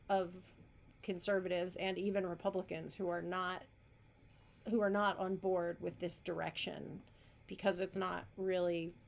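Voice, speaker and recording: A woman hosting a casual live video hangout, talking in a chatty, wry way with lively storytelling. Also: fairly low pitch, vocal fry. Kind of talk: casual livestream chat.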